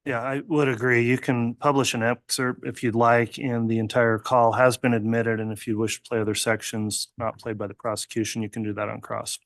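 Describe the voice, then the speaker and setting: Even, flat-voiced male judge. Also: medium pitch, brisk, hardly any pauses, no room sound. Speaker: judge presiding in court. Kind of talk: procedural courtroom rulings. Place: courtroom.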